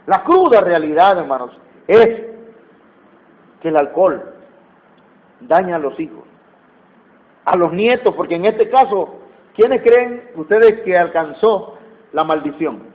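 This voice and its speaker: Mexican male preacher, high voice, emphatic sermon, tinny phone-line audio. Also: lively intonation, slow pace, long pauses. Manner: emphatic, repeats key phrases, asks the congregation questions.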